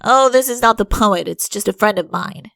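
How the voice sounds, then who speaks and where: A woman's voice: mid-range voice, moderate pace, creaky, a bit bright, no echo. A woman voicing Udo, an earnest enchanted prince. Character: enchanted prince in animal form, male. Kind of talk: audiobook character voice.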